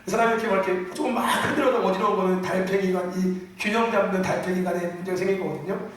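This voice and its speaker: A middle-aged man preaching a sermon, calling out to the congregation often and mixing loud emphatic bursts with chuckles. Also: sits high, fairly even intonation, very fast. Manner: emphatic preaching with frequent call-outs to the congregation. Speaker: pastor. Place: church sanctuary. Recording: echoey church hall from far off.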